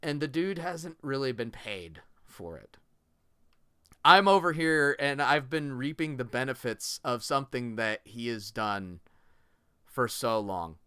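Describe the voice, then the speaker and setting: A man's voice: medium pitch, expressive, measured pace, sharp tone, clear, resonant tone, dry recording, clean studio sound. A man hosting a livestream, talking casually and earnestly as he thanks viewers. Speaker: livestream host.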